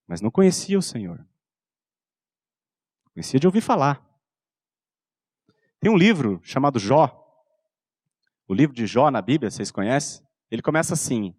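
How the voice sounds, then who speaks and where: A man in his thirties with a Brazilian Portuguese accent, preaching a sermon and telling a personal story, acting out soft-spoken dialogue with his son. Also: mid-range voice, big pitch swings, normal speed, long pauses, breathy edge, dry recording, studio quality. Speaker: pastor.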